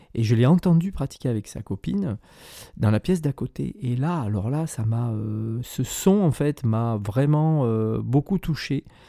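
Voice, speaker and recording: The dark, mellow tone comes with lively intonation at a fairly slow pace, in a dry, close sound with no echo on a very clean recording with a silent background. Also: man. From southern France (Arles, Provence). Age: 50s. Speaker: musician. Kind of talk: testimony. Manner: halting, many repetitions and hesitations.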